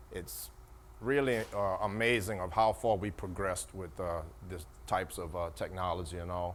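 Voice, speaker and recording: With a Louisiana accent, a man speaks at a moderate pace in a very deep, low voice with vocal fry and lively intonation, in audible room echo. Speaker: industrial leak detection surveyor. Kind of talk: conference presentation. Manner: halting, many fillers.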